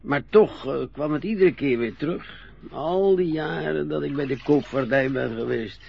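An older man with a Dutch accent, playing a retired merchant navy captain in a radio play, reminiscing slowly with a husky, chuckling voice. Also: a little high, dull audio, exaggerated voice. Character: old retired sea captain, modest and a bit vain.

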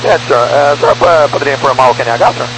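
A man's voice: medium pitch, rapid-fire. A Brazilian man speaking as a pilot, giving courteous, formal readbacks over aviation radio. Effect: radio transmission. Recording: noisy, humming cockpit radio transmission.

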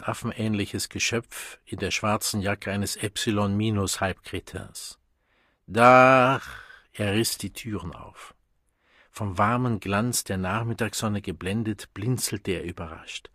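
A man with a husky voice narrating an audiobook in a measured reading manner. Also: fairly low pitch, steady tone, a bit bright, no echo, clean studio sound.

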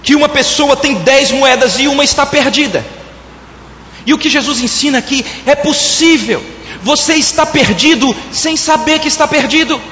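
A man with a strikingly high voice preaches in a church hall, telling a story and speaking straight to his listeners. The long hall echo hangs on every phrase. The recording is dull and lo-fi, with a faint hiss underneath. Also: moderate pace, bright, forceful tone. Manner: storytelling preacher who addresses the congregation directly. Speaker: pastor. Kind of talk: sermon. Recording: echoey hall, dull lo-fi sound.

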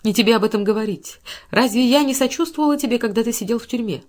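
A woman voicing a furious, wounded wife whose bitter voice rises shrill when she is angry. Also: quick pace, a little mellow, close to an everyday voice.

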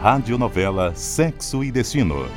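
Animated Brazilian male radio announcer over music. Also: mid-range voice, normal speed. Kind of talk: scripted programme credits announcement.

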